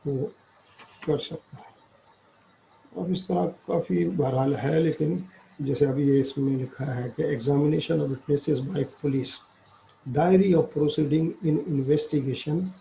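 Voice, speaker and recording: A man's voice: fairly high pitch, vocal fry, warm tone, a little hiss or hum, rough recording. A man with a South Asian accent lecturing on law, reading formal text and explaining it in plain terms.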